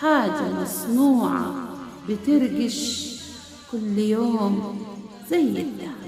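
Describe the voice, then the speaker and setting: A woman speaks with an Upper Egyptian accent at a very slow pace. Music plays in the background. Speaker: poet. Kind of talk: poetry reading.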